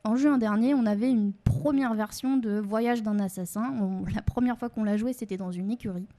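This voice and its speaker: Chatty woman with a dark, mellow voice. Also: mid-range voice, moderate pace. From Pyrenees, southern France. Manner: chatty, laughs often, many fillers. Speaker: theatre guest. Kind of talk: casual radio chat.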